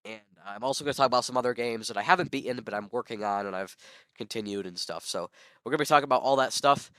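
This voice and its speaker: A young man hosts his podcast alone while sick, his voice hoarse yet smooth and resonant underneath. He rambles, trips over himself and fills gaps with ums. The sound is dry and close. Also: mid-range voice, fast, sharp tone, dry recording. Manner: rambling, many ums and self-corrections. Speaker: podcast host. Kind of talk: solo podcast monologue.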